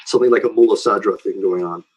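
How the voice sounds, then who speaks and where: A man's voice: lowish voice, fast talker, a little mellow, a little hiss or hum. A man lecturing informally and taking questions, explaining in a conversational way and often checking that listeners follow.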